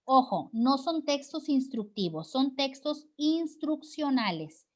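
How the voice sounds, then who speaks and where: Teacher: woman, fairly high voice, encouraging, leads an online class over a video call. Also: sing-song, takes it slowly, a little mellow. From Mexico. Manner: encouraging, frequent "¿verdad?" tag questions.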